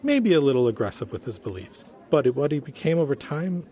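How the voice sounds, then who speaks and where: An actor playing an earnest, gentle former human resources director in an audio drama, polite and prim in his wording. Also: fairly high pitch, sing-song, brisk. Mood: regretful, polite. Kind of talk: audio drama acting as interview guest.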